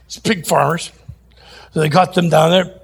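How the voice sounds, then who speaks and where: A man preaching a sermon, animated and jokey, moving between loud outbursts and quiet asides. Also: fairly high pitch, moderate pace, gravelly, husky.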